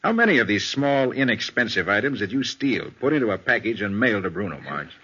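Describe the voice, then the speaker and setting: Shrewd American detective: unflappable, animated intonation, bright forceful edge, dull 1940s radio recording. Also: male voice, fairly low pitch, breathy edge, full character voice. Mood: probing, assured. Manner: brisk, probing questioner. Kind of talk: 1940s radio crime drama acting.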